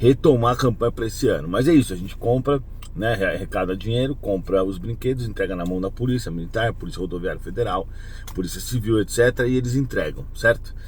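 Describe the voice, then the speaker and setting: A man's medium-pitched, somewhat breathy voice at a very fast pace, with ordinary pitch variation. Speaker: spiritist YouTuber. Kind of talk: casual vlog monologue.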